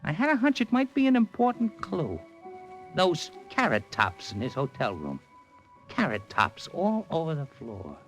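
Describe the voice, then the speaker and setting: An actor playing a slangy, excitable Hollywood talent agent in a 1940s radio drama, narrating and chasing. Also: male voice, fairly high pitch, a little slow. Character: brash fast-talking Hollywood agent. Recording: old radio drama with music.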